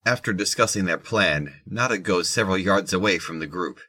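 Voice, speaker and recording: A man's voice: sits low, brisk, pushed and bright, dry recording. A man narrating a scripted audio drama.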